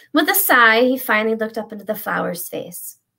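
Against a quiet background, a woman speaks with a bright, sharp tone, vocal fry and lively intonation. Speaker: romance author. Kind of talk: reading aloud. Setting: video call. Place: home room. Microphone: webcam.

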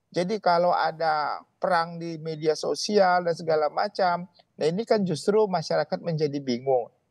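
A high-pitched man's voice with ordinary pitch variation and hardly any pauses, over a quiet background. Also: moderate pace. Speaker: legal expert. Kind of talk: TV news interview. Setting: video call.

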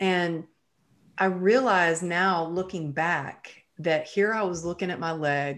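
With a Texan accent, a woman talks at a fairly slow pace in a fairly low pitch. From Texas, small town. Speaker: motivational speaker and author. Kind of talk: personal storytelling interview. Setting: video call.

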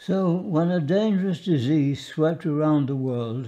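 Against a quiet background, a man with a British accent talks at a fairly slow pace in a fairly high pitch, with a dark, mellow tone and ordinary pitch variation. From United Kingdom. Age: 80s+. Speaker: army veteran. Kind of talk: children's book reading. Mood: gentle, hopeful. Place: home room.

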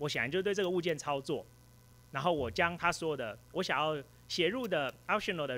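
Here is a man with a fairly high pitch. His tone is bright and sharp. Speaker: software developer, conference speaker. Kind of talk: technical talk. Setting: stage with audience. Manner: playful.

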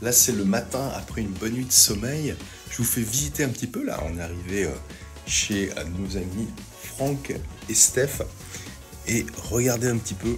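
With clear music in the background, a man talks at a fairly slow pace, leaving long, frequent pauses. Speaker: travel vlogger. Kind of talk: casual vlog chat. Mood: relaxed, cheerful.

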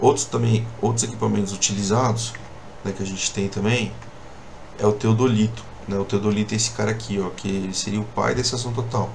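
With faint music in the background, a man talks at a moderate pace in a fairly low pitch, keeping his intonation fairly even and leaving long, frequent pauses. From Brazil. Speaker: teacher. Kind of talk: lecture. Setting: video call. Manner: hesitant, many fillers. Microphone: video call.

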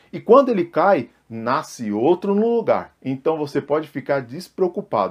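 Against a quiet background, a man with a Brazilian accent speaks at a moderate pace in an animated tone. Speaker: beard care YouTuber. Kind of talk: Q&A tutorial vlog. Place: home room.

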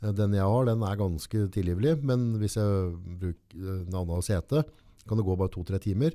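Fairly low, dark and mellow male voice at a moderate pace, with ordinary pitch variation over a quiet background. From Eastern Norway, Brumunddal; Eastern Norway. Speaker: podcast host. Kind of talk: casual chat. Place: studio. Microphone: studio mic.

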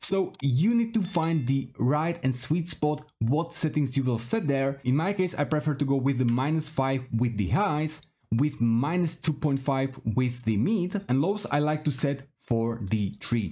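Here a man speaks at a fairly slow pace, his tone dark and mellow. He sounds somewhat breathy, with lively intonation. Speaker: tech tutorial creator. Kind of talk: tutorial. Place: home room.

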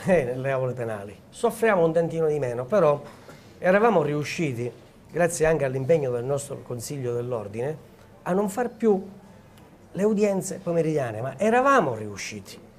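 A somewhat breathy man speaks at a moderate pace, with long, frequent pauses. His pitch swings very widely, and there is light background noise. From Sicily. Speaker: veteran lawyer. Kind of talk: casual interview. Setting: TV studio. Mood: critical, earnest. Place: office. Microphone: lapel.

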